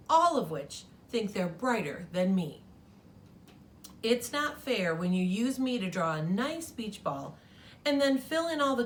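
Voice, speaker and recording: A resentful black crayon asks to fill in more than outlines, voiced by a woman. Slow, with a very animated pitch. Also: a little hiss or hum. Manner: aggrieved.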